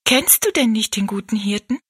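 Woman doing a devout little girl, high-pitched, slightly breathy, storybook. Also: lively intonation, moderate pace, a bit bright. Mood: earnest. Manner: eager, sincere questioning. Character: earnest pious little girl, gentle and curious.

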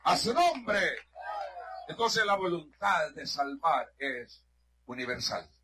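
A middle-aged man from Honduras preaching a sermon in a church. He is fervent, shouts at his peaks and drops to hushed asides. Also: fairly high pitch, sing-song, slow, noisy background. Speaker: pastor.

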